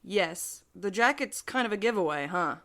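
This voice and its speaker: A woman's voice: mid-range voice, lively intonation, normal speed, fairly bright tone. A woman playing a wry, weary, sarcastic young courier in an audio drama. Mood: apologetic, wry.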